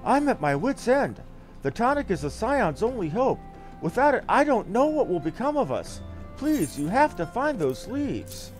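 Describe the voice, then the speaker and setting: A man voicing a small, excitable young female helper from a fantasy game, in a theatrical, effusive manner. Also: extremely high pitch, moderate pace, faint music behind. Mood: desperate pleading. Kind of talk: reading game dialogue in character.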